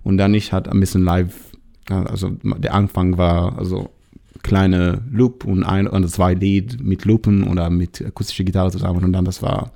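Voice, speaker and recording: A young man from Israel with an Israeli accent, a musician guest speaking halting German with grammar slips. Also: deep voice, fairly even intonation, creaky, mellow. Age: young adult.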